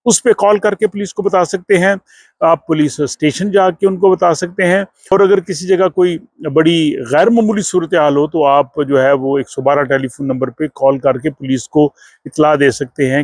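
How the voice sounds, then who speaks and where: A man's voice: on the high side, fairly even intonation, a little mellow, no echo. A man hosts an informational news vlog, explaining things to viewers with frequent filler phrases and hesitations. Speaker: vlog host.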